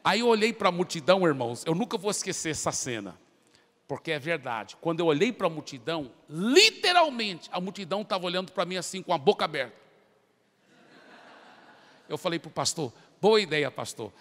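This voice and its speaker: A man's voice: a little high, very animated, a little fast, pushed and bright. A man, a preacher telling a testimony with dramatic storytelling, acting out the voices. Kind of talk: testimony sermon. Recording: long hall reverb.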